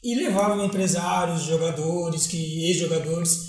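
A man's voice: fairly high pitch, fairly even intonation, unhurried, distant mic. Earnest gaúcho man in an echoey studio. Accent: Gaúcho Brazilian Portuguese. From Porto Alegre, southern Brazil. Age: 40s. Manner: reflective, earnest, with many restarts. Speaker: guest, former footballer. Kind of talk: relaxed interview storytelling. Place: small studio with green set. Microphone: lapel mic. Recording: very echoey room, voice heard from afar.

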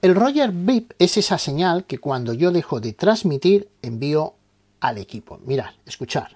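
In a fairly high, slightly mellow voice, a very animated man gives a step-by-step tutorial at a moderate pace. He's didactic, explaining terms and posing questions before answering them himself.

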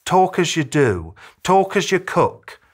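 A man in his fifties giving advice to camera as a children's author, speaking emphatically like a storyteller, with deliberate pauses. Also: high voice, big pitch swings. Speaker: children's author giving reading tips to parents. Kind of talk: direct-to-camera advice talk, presentational. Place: small furnished room, indoors.

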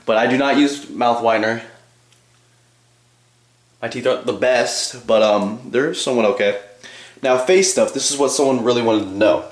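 A man's voice: medium pitch, roomy sound. A man in his twenties chatting casually and offhandedly to viewers in a rambling vlog, recorded on a handheld camcorder in a small bathroom. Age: 20s. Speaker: bodybuilding vlogger. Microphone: handheld camcorder at arm's length.

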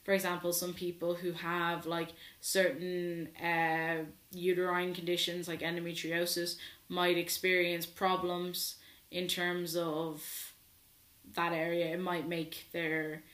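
A man's voice: high voice, completely flat delivery, takes it slowly, fairly bright tone. Teenage trans guy, roomy echo. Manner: chatty and candid, with frequent fillers. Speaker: vlogger. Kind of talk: casual update to camera. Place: small bedroom indoors. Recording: echoey small room.

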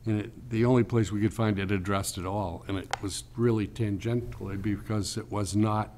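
A man talks through his reasoning at a board meeting, stopping and repeating words. His voice is dark and somewhat low, with a little background noise in the room. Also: fairly even intonation, normal speed. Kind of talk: informal explanation at a public meeting. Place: small public meeting room. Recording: faint room noise behind voice.

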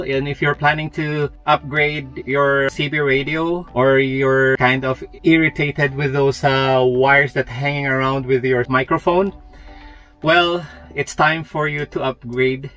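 Middle-aged male vlogger, slightly high voice, unhurried delivery, halting and repetitive product demo in a truck cab, faint music. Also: a bit bright. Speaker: truck driver and product reviewer. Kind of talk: casual product review vlog to camera.

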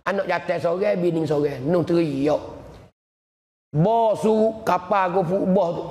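A man with a Patani-Kelantan Malay accent, a religious teacher preaching a sermon, repeating words and chanting Quran verses slowly. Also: high voice, darkish tone. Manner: repetitive, drawn-out Quran recitation mixed with storytelling. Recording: echoey hall reverb.

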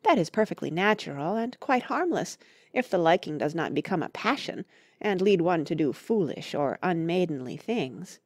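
A woman voicing a grave, gentle mother giving measured advice to her daughter in a storybook reading. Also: on the low side, sing-song, no room sound, studio quality.

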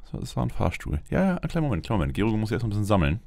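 A man's voice: lowish voice, big pitch swings, rapid-fire, creaky, mellow. A man giving casual, wry gameplay commentary with a bit of roleplay, muttering to himself as he plays. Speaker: let's play host. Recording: noticeable background noise, game ambience. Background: video game ambience.

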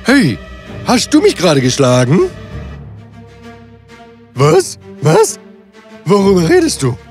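Guy putting on a dopey quarrelsome giant, kinda high and all over the place, kids story. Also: huge pitch swings, takes it slowly, exaggerated voice. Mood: annoyed, accusing. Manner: blustering, argumentative. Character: grumpy, quarrelsome, slow-witted male giant. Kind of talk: children's fairy tale voice acting. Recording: music behind the voice.

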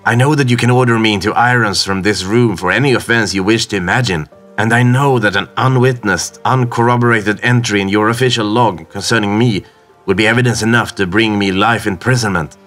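A man's voice: on the low side, fairly bright tone, pitched above the performer's own voice, lightly acted. A man voicing a defiant, bitter educated sailor who speaks with impassioned indignation, in a storybook reading.

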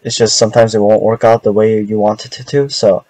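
A teenage boy from South Korea presents his plans over a webcam from his bedroom. His voice sits low and stays flat, and he talks in a chatty, hesitant way, often restarting sentences. The sound is dry and close. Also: brisk, no room sound, rough recording. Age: teens. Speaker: student presenter. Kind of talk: casual conference presentation. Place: bedroom at home. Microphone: webcam on video call.

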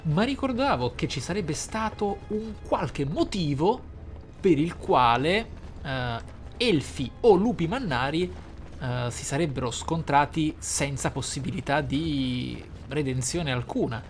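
A man's voice: a little high, animated, unhurried. A man giving playthrough commentary on a roleplaying game, musing aloud in an emphatic way. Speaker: gameplay host. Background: game music behind the voice.

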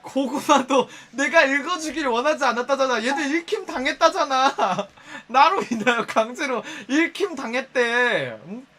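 A man's voice: extremely high pitch, lively intonation, normal speed, hardly any pauses, pushed and bright. A man giving casual advice in a campy, teasing way, often acting out little scenes. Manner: campy, teasing, playacts voices.

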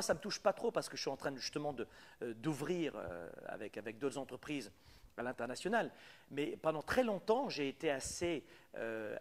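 Man, French accent, middle-aged, business coach, emphatic and repetitive, slightly high voice. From France. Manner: emphatic, repeats key points. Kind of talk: live coaching talk. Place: Quebec.

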